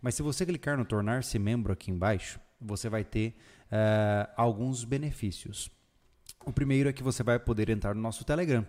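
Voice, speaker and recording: A man hosting a casual podcast, relaxed and joking, recorded in a bare new house whose room still echoes. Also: mid-range voice, normal speed. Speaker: podcast host. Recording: long echo from a bare room.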